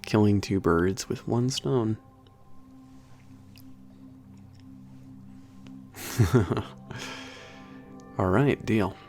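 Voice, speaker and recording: Casting: male actor as a sardonic werewolf spaceport trainer for ASMR roleplay, very creaky voice, unhurried, casual bantering delivery. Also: lowish voice, darkish tone, soft background music, exaggerated voice. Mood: teasing. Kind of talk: ASMR roleplay, naturalistic one-sided conversation.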